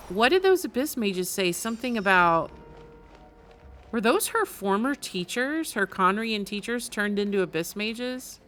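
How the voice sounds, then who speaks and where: A woman's voice: medium pitch, expressive, measured pace, fairly bright tone, a little hiss or hum. A woman giving casual, reactive live commentary as she plays a video game. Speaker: game streamer. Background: faint game music.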